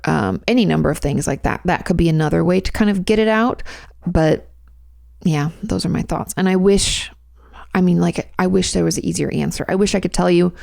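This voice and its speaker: A woman therapist hosting an advice podcast, answering listener questions in a gentle, reassuring way and often repeating phrases as she thinks. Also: sits low, creaky, dry recording, clean studio sound.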